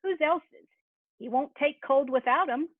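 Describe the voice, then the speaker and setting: A woman's voice: high voice, a little slow, no echo. A woman as a brazen, callous scavenger, tinny line. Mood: scornful, brazen. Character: callous, brazen working-class woman selling a dead man's things. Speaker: library staff reader in a play. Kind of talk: amateur dramatised reading. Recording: thin tinny phone-like sound.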